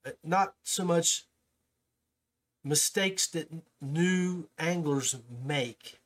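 A man's voice: a little high, very slow. Casual male kayak-fishing podcast host. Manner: relaxed, rambling, with fillers and restarts.

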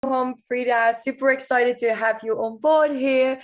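A woman's voice: high-pitched, fairly even intonation, normal speed, over music. A woman hosting a podcast interview in an enthusiastic, gushing manner. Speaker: podcast host and coach.

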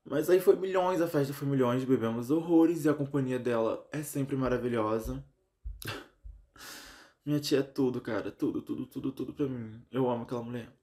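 A man's voice: moderate pace, warm tone. A young Brazilian man vlogging in casual chat, venting dramatically and exasperatedly, his voice leaping up and down. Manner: dramatic, exasperated venting with big pitch swings.

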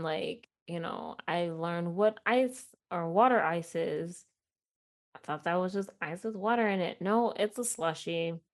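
A young woman from Chicago talks through her podcast in a loose, rambling way, with a mild Midwestern accent. Her voice sits a little low, and she fills gaps with "um" and "like" and laughs at herself often. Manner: chatty, self-deprecating, laughs often, many fillers. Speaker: podcast host. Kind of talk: casual solo podcast chat.

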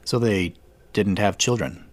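A man's voice: fairly low pitch, unhurried. A man playing a polite, curious visitor in a naturalistic audio drama. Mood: sympathetic. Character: polite, curious grown man visiting old family friends.

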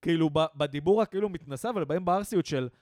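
Chatting casually on the podcast he co-hosts, the young man launches into lively rants and impersonates what people say. His slightly high voice is captured in a dry recording.

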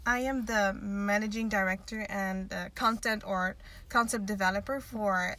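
Podcast guest, woman in her 20s, Dutch first language, bright tone, loose and chatty. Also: medium pitch, steady tone, moderate pace. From Netherlands. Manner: chatty, many fillers and restarts. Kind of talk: casual interview chat.

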